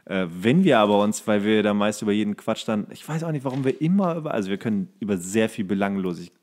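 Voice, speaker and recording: A man's voice: on the low side, expressive, quick pace, a little mellow. A man co-hosting a podcast, chatting casually in a rambling, colloquial way with coarse slang. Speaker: podcast co-host. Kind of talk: casual chat.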